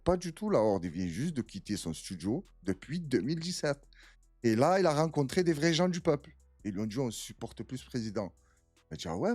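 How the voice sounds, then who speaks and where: A man's voice: lowish voice, a little mellow, no room sound, clean studio sound. A man hosting a reaction video, joking in casual slang and talking straight to his viewers.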